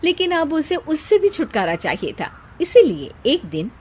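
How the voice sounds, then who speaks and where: A woman's voice: high-pitched, huge pitch swings, a little slow. Woman narrating a moral story.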